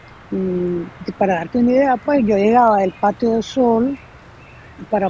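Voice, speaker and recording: Over noticeable background noise, a woman talks at a fairly slow pace with a fairly high pitch and ordinary pitch variation. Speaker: former political prisoner. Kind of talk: interview testimony.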